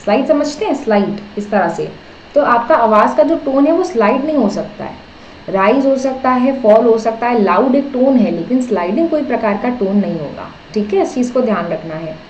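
A woman's voice: on the high side, expressive, normal speed, darkish tone, roomy sound, dull audio, a little hiss or hum. A woman with an Indian accent teaching a live online exam-prep class, mixing Hindi and English, quizzing students and explaining patiently.

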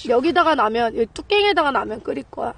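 A woman in her thirties vlogging outdoors on a frozen river, chatting playfully to viewers with excited squeals. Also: high-pitched, quick pace, gravelly, loud music behind the voice. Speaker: camping vlogger. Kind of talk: casual vlog chat to viewers. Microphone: handheld camera. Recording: outdoor camera noise.

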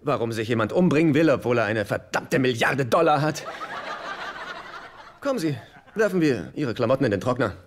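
A man's voice: medium pitch, lively intonation, fairly quick, pauses often, slight background noise, close to an everyday voice. An actor playing a nervous, broke middle-aged man in a dubbed sitcom, flustered, stammering and sarcastic. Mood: dry, coaxing. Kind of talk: German-dubbed sitcom acting.

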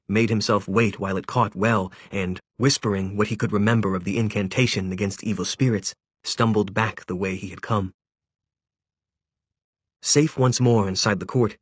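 A man narrating a children's novel aloud in a measured, gently dramatic way. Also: lowish voice, breathy edge, no room sound. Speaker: audiobook narrator. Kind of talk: scripted storybook narration.

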